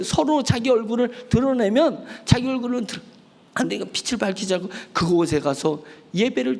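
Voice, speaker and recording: A man's voice: very high voice, creaky, long reverb tail. A man pastor preaching a sermon, asking questions and acting out pleading prayers. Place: church sanctuary.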